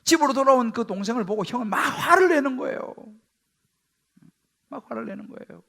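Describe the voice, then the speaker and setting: A man, the senior pastor, preaching a Sunday sermon in a church sanctuary, swinging between loud exclamations and hushed asides. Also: very high voice, expressive, fairly quick.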